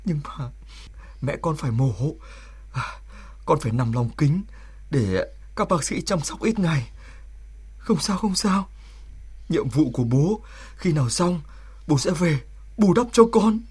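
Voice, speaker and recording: A man's voice: very high voice, expressive, normal speed, long pauses, breathy edge, heavily acted. An actor playing a young soldier and new father who talks urgently and then tenderly in a TV drama. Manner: bossy and urgent, later soft and emotional. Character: young male soldier helping deliver a baby, flustered then tender. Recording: music playing behind. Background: music.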